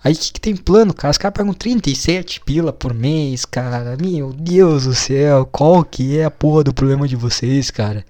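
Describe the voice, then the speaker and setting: A man's voice: a little high, normal speed, few pauses, darkish tone, dry recording. A man giving casual reaction commentary, mocking and exasperated, swearing often. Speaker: video commentator.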